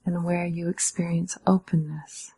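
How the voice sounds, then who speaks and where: Husky, creaky woman guiding meditation. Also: on the low side, rough recording. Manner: calm, measured, gently instructing with pauses. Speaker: Zen meditation teacher. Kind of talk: guided meditation instruction.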